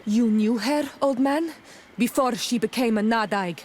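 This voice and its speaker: An actress playing an earnest, proud young tribal guide in a video game, explaining things solemnly. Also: female voice, fairly high pitch, a little slow, a little mellow, slight background noise, close to an everyday voice. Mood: firm, calming.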